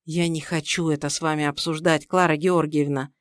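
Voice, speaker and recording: A young father weighed down by guilt, who speaks quietly and holds back, as a woman reads him in an audiobook. The voice sits fairly low and soft. The recording is dry and close. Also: fairly even intonation, moderate pace, no echo, natural voice. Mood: restrained. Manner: subdued, soft-spoken.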